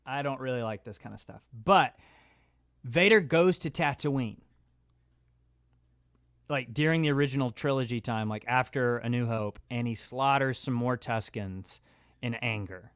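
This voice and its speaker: Clear-voiced man, casual podcast chat. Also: medium pitch, a little slow, a bit bright, no room sound, studio quality. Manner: conversational, peppers speech with "like". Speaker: podcast co-host. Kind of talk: casual discussion.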